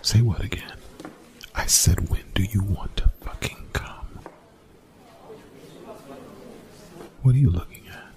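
A man playing a young college bully in an ASMR roleplay, gruff, defensive and grudgingly apologetic, in hushed, breathy, exasperated slang with swearing. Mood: threatening, hushed. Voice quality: whispered, breathy, gravelly low voice.

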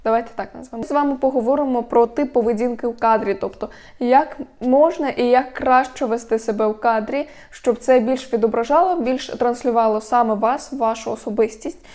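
Young female vlogger, instructive and steady, warm dark tone, slightly high pitch. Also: brisk, few pauses. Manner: instructive, steady, lists points one by one. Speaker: media coach vlogger. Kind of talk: explanatory talk to camera.

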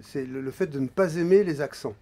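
A man in his forties, a guest in a radio studio, explaining at a measured, hesitant pace and often trailing off quietly. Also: a little high. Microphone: studio microphone, wearing headphones.

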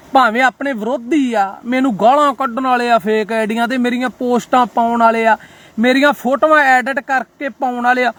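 High-voiced Punjabi man preaching to viewers. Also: fairly bright tone. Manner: preachy, quotes scripture, keeps asking "right?". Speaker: social media livestreamer. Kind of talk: casual livestream address to viewers.

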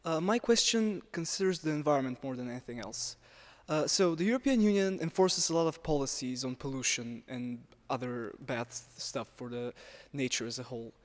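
A man's voice: medium pitch, a little fast. A young man, putting a question to a panel as a student. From Bulgaria. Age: young adult. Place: large parliament chamber. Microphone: desk microphone, standing. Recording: echoey large hall, long reverb.

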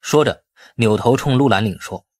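A man's voice: mid-range voice, moderate pace, darkish tone, no room sound, studio quality. A man narrating a novel as a scripted audiobook, telling the story expressively.

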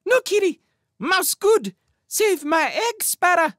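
A man acts out a protective female sparrow from a storybook. The voice is extremely high and sharp, pleading urgently in short, broken phrases. It sounds frantic and fierce in defense of others. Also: big pitch swings, slow, no room sound, clean studio sound, full character voice. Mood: desperate pleading.

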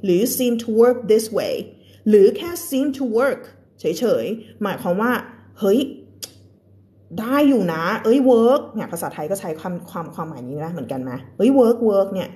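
Thai-accented woman teaching english on a live stream, voice bounces all over, reads slowly, chats and laughs with viewers. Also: medium pitch, sing-song, mellow. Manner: switches between slow, careful English reading and quick Thai explanation; chatty, laughs often and greets viewers by name. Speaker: English teacher reading a storybook aloud. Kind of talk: live-stream English lesson, reading and explaining.

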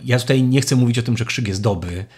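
A man's voice: medium pitch, fast, a little mellow, breathy edge. A man giving a spoken catechesis, reflective and searching for words, often restarting his phrases. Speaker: lecturer on faith.

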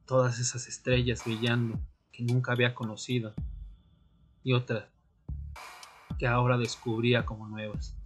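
Male actor as haunted vampire, medium-high male pitch, solemn, deliberate, dramatic radio drama narration, faint music bed. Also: completely flat delivery, lightly acted. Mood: grave, desperate. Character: Fernando, tormented newly turned male vampire recounting his death. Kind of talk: dramatic first-person audio drama narration.

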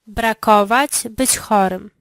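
Female co-presenter, measured answers, dry close recording. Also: medium pitch, fairly bright tone, no room sound. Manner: slow, clear answering in drills. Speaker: language lesson co-presenter. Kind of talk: language lesson answers.

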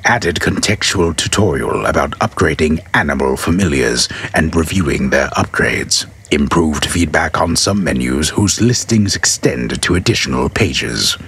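Male reader, rock-bottom register, very husky gravel, solemn theatrical delivery of scripted text. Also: a bass voice, expressive, measured pace, hardly any pauses, fairly bright tone. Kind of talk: dramatic reading of scripted patch notes.

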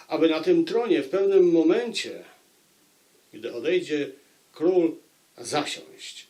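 Male book reviewer, slightly higher-pitched voice, very animated intonation, deliberate storyteller phrasing. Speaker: book reviewer and audiobook narrator. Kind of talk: book review, addressing viewers.

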